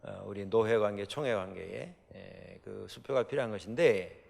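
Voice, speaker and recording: Middle-aged man, Korean pastor, Chungcheong accent, gravelly voice, sermon with rhetorical questions, reverberant church hall. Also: on the low side, normal speed, darkish tone. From South Korea. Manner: storytelling with many fillers and rhetorical questions. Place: church sanctuary.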